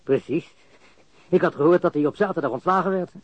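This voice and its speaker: A man's voice: fairly high pitch, fairly quick, no echo, lo-fi sound, lightly acted. A man acting a cocky, nervy criminal in a radio crime drama, with a dry, close sound. He stammers, repeats himself and swears while confessing to his interrogator. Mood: confiding. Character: cocky, jittery male criminal suspect confessing under questioning.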